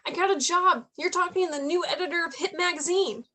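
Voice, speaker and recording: A woman's voice: extremely high pitch, a little fast, pushed and bright. A woman playing an ambitious young journalist and loyal friend, frustrated at times, in a staged reading of a play. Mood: excited, proud.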